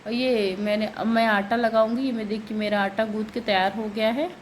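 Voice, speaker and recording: A woman, her voice sitting a little high. She chats in a rambling way as she cooks and explains each step, recorded in a home kitchen with faint household noise behind her. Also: steady tone, brisk, rough recording. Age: 30s. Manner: chatty, rambling, explains steps while working. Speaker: vlogger. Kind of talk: casual home vlog while cooking.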